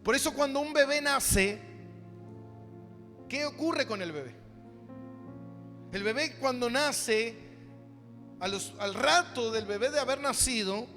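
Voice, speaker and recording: A man's voice: very high voice, animated, slow pace, long pauses, bright, forceful tone. A man preaching a sermon as a pastor, teaching from the Bible emphatically, repeating phrases and putting rhetorical questions to his listeners. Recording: echoey hall, music behind the voice.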